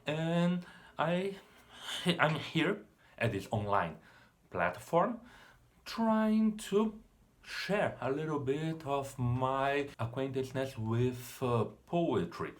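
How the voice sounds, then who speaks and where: Unhurried Brazilian man teaching literature. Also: mid-range voice, expressive. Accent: Brazilian Portuguese. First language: Portuguese. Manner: unhurried, measured, explanatory. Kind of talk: literature lesson to camera.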